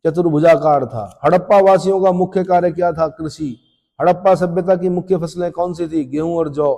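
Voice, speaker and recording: A man teaching an exam coaching class, firing off quiz questions and answering them himself, brisk and scolding. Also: a little high, steady tone, creaky, dark tone, in a large hall. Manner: drills students with questions and answers. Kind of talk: rapid-fire exam coaching lecture.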